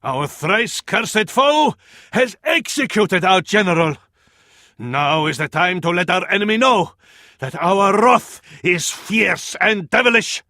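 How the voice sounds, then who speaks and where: High-voiced, fervent Arab battlefield advisor. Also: male voice, sharp tone, no echo, studio quality, full character voice. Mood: stern. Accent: Arabic. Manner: ornate, dramatic, proverb-laden delivery. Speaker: military advisor in a strategy game. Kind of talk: theatrical video game voice acting.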